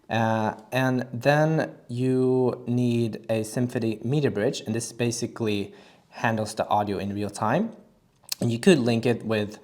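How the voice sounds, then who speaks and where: A man presenting a casual screen-recorded software tutorial, talking in a relaxed way with frequent fillers and restarts. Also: lowish voice.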